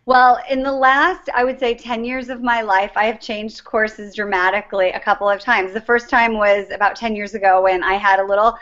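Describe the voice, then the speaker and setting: A woman's voice: mid-range voice, flat delivery, normal speed, hardly any pauses, fairly bright tone. A middle-aged woman, a life coach, telling her story earnestly as an interview guest. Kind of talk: interview answers, personal story. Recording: dull lo-fi recording.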